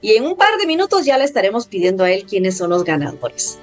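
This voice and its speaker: Lively woman radio host. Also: mid-range voice, quick pace, soft background music. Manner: lively, promotional, addresses listeners directly. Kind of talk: radio call-in show hosting.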